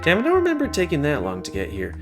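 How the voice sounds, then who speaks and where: A man's voice: a little high, huge pitch swings, fast talker. Guy rambling about games he's been playing, restarts a lot, light music in the back. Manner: rambling and self-interrupting, with fillers. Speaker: gaming video host. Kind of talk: casual game review over gameplay.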